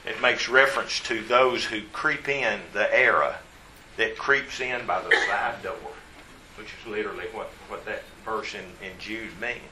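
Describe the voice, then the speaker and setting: A man's voice: fairly low pitch, measured pace, pushed and bright, slight background noise, low-quality recording. A man preaching a Bible study sermon, stressing key words by repeating them and putting questions to his listeners.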